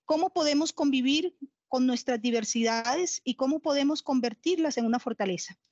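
A woman's voice: high-pitched, a little mellow, dry recording, lo-fi sound. A woman in her forties with a Colombian accent, reading a formal academic lecture over a headset on a video call. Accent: Colombian Spanish. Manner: measured, formal, reading aloud. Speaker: conference speaker. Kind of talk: academic lecture read from text. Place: home office, video call.

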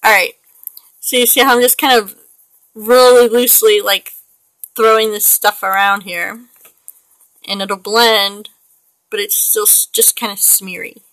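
Chatty woman in her forties, bright dry voice. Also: medium pitch, steady tone, unhurried, long pauses, dry recording, rough recording. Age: 40s. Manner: chatty, rambling, laughs often. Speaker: digital artist. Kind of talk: casual chat while painting on screen.

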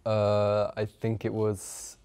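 A man's voice: fairly low pitch, monotone, takes it slowly, darkish tone, smooth. A man playing a modest, nervous quiz show contestant with a hesitant, understated delivery.

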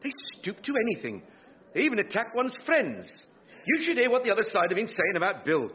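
A man's voice: high-pitched, sing-song, brisk. A man playing a pompous, indignant, gloomy election candidate in an English-accented radio sitcom. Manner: pompous, theatrical. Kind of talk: British radio sitcom acting before an audience. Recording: dull recording with loud audience noise.

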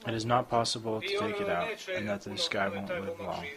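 A man in his forties with a Croatian accent speaks slowly and plainly, telling his own story in short, candid sentences. He sits under a roof in an outdoor courtyard, picked up by a camera mic at a medium distance. A group of listeners murmurs behind him. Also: mid-range voice, very animated, a loud crowd. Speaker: speaker giving a personal testimony. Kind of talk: personal testimony to a group.

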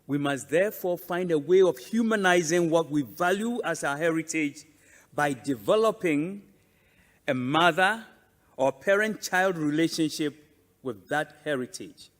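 Man, formal conference address, very unhurried, emphatic pauses, long hall reverb. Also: a little high, animated. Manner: deliberate, measured, emphatic with pauses. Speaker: conference speaker presenting a museum. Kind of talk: formal prepared speech.

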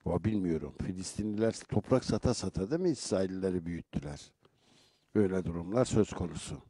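Mellow-voiced man hosting a local show. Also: sits low, expressive, quick pace, breathy edge, dry recording. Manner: conversational, turning rhetorical and emphatic when he comments. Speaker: local broadcast host reading viewer comments. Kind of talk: casual live-show commentary.

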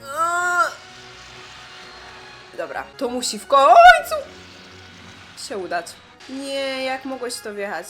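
A Polish woman commentating her own gameplay, reacting loudly and yelling at the game characters. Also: high-pitched, big pitch swings, takes it slowly, long pauses, over music. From Poland. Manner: exclaims and shouts at the game. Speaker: gameplay streamer. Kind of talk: excited gaming commentary.

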